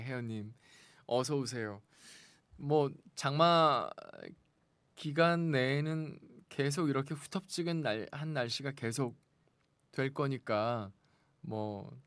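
A man's voice: medium pitch, no room sound. A man hosting a radio show in a casual, friendly way, reading listener messages aloud and chatting back to them. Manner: chatty, friendly replies to listeners with light laughs. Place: radio studio.

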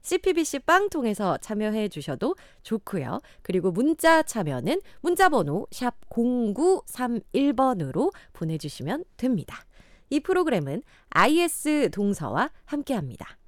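Lively Daegu woman radio host. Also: a little high, measured pace, no echo, clean studio sound. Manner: bright, chatty, laughs often. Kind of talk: live radio hosting. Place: radio studio. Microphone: studio microphone.

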